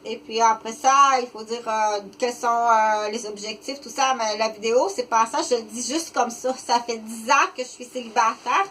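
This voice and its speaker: Woman, 50s, Québécois accent, unscripted vlog monologue, halting and rambling, slightly high voice. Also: steady tone, pushed and bright, a little hiss or hum, poor audio. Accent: Québécois French. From Quebec, Canada. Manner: rambling, halting, many "euh" fillers and restarts. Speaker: vlogger.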